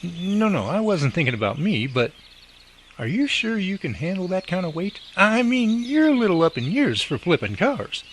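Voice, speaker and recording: An actor playing an excitable, hesitant, deferential younger man in an audio drama. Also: high voice, moderate pace, a little hiss or hum.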